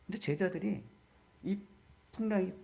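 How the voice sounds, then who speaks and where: In church, a man preaches as pastor, throwing questions to the congregation and asking for amens throughout his sermon. His voice sits high, with vocal fry and a warm tone, at a normal speed.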